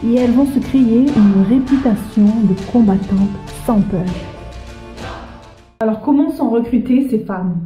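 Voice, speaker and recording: A woman presenting a history explainer, lively and speaking directly to the viewer. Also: fairly high pitch, unhurried, echoey room, faint music behind, rough recording.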